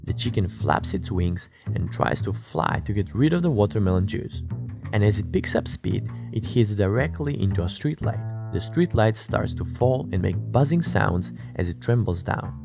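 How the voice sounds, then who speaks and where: A man narrating a scripted self-improvement lesson in a calm, instructive way, English not his first language. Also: on the low side, moderate pace, gravelly. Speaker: self-improvement channel host. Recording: voice-over with guitar music behind.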